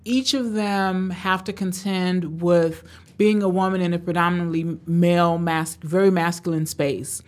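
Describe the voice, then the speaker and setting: A woman with a fairly low voice answers interview questions as a guest professor. She talks in a relaxed, thoughtful way, often pausing and using fillers. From Tanzania, raised in Cleveland, Ohio.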